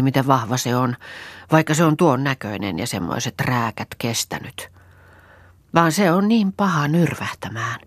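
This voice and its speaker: A woman's voice: a bass voice, no room sound. A woman reading an audiobook, voicing a weary, plain-spoken country woman who rambles matter-of-factly. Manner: rambling, matter-of-fact storytelling.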